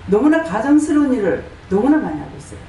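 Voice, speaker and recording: A woman's voice: on the high side, big pitch swings, quick pace, mellow. Fiery Gyeongsang woman preacher, echoey hall. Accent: Gyeongsang Korean. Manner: scolding, full of rhetorical questions. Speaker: pastor and prayer house director. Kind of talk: fiery sermon. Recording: echoey hall, distant mic, faint noise.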